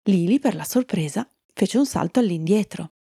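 A woman tells a children's fairy tale in a calm, steady storybook manner. Her voice is mellow and husky, with noticeable gravel. The sound is close and dry. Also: medium pitch, normal speed, dry recording. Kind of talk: storybook narration.

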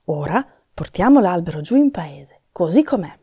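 A woman's voice: lowish voice, sing-song, moderate pace, warm tone, slightly rough, no room sound, full character voice. Woman voicing an eager little elf helper. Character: eager cheerful male Christmas elf helper. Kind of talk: storybook reading.

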